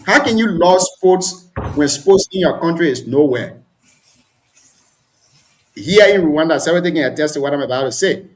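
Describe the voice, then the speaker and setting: A man from Liberia, arguing politics as a panelist on a talk show, animated and argumentative, often repeating words as he starts a point. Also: a little high, moderate pace, pauses often.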